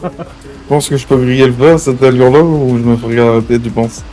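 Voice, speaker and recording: A man's voice: mid-range voice, steady tone, fairly quick, dark tone, faint music behind. A man chatting casually while playing an online roleplay game, slangy and joking. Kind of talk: casual gaming banter.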